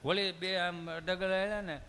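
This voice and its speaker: A man's voice: high-pitched, flat delivery, a little slow, sharp tone, smooth, in a large hall. A man with a Kathiawadi Gujarati accent telling folksy comic stories on stage, chatty and acting out the dialogue. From Dhari area, Saurashtra, Gujarat. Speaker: stand-up comic storyteller. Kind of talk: live comic storytelling on stage.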